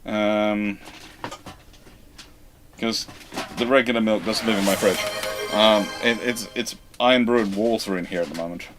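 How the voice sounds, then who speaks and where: A man's voice: on the low side, fairly even intonation, a little slow, pauses often, over music. A man hosting a live history question show over a video call, chatting casually and correcting himself as he rambles. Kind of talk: casual chat, answering viewer questions.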